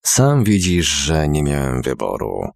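A man's voice: very deep voice, measured pace, creaky, no echo, full character voice. A man voicing a cool, hard ex-soldier. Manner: calm, dry, cutting. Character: cool, hard former soldier, calm and cutting.

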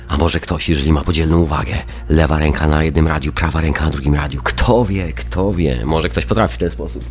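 A man with a head cold and a stuffy, runny-nosed voice, hosting a live radio show in a casual, chatty way and repeating himself. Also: low voice. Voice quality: stuffy, nasal voice from a runny nose. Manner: chatty, repeats phrases for emphasis. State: congested with a head cold, sniffling.

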